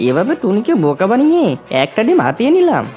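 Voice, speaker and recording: A woman's voice: a little high, huge pitch swings, a little slow, dark tone, dull audio, faint music behind. A woman voicing a sly, scheming cartoon fox who feigns sweet concern in a wheedling way. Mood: scheming, gloating. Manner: wheedling, falsely sympathetic. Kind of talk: children's cartoon voice acting.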